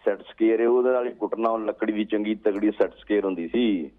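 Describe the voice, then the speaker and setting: A lower-voiced man comes through a thin, tinny phone line as a caller. He tells his story slowly, pausing and restarting as he goes. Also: steady tone. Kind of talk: phone-in chat.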